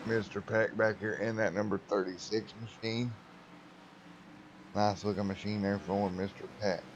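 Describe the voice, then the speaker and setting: A man's voice: fairly low pitch, steady tone, normal speed, dull audio, slight background noise. A man doing folksy play-by-play commentary for a simulated car race, putting "Mister" before the drivers' names. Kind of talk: sim racing play-by-play commentary.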